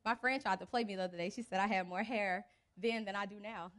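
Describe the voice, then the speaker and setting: A young American woman gives an informal talk to teachers. Her voice sits at a middle pitch, and her delivery is chatty and colloquial. She speaks through a handheld microphone under an event tent. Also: steady tone, fast, a bit bright. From United States (Birmingham, Alabama and Cleveland, Ohio). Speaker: teacher coach giving a talk. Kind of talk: informal presentation to a live audience. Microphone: handheld mic through PA speakers.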